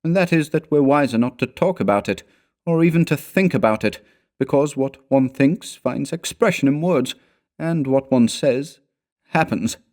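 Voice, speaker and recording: A man's voice: mid-range voice, normal speed, darkish tone, voice pushed up, lightly acted. A man voicing a grave, frightened and fatalistic canoe companion in a storybook, speaking with intense foreboding. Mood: grave, resigned. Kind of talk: storybook character dialogue.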